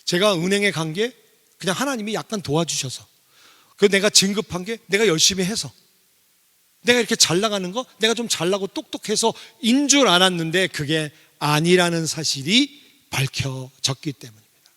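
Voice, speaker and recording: A middle-aged man with a high voice preaches a testimony as a guest revival speaker. His delivery is animated and he keeps asking the congregation questions. The sound carries a long church hall reverb. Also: normal speed. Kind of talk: sermon testimony. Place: church sanctuary.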